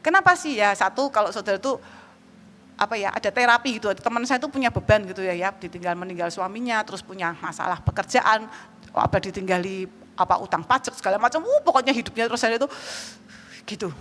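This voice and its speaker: A woman evangelist with a Javanese accent preaching a sermon in a church hall, lively and joking, often calling out to the congregation. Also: mid-range voice, fast. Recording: reverberant church hall, faint background noise.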